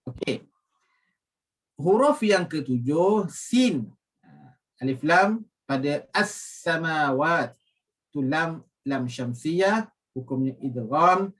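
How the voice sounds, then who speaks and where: A Malaysian man teaching Quran recitation rules, explaining with many fillers and reciting the words slowly and carefully. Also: on the high side, expressive, fairly bright tone, far from the mic. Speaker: religious teacher.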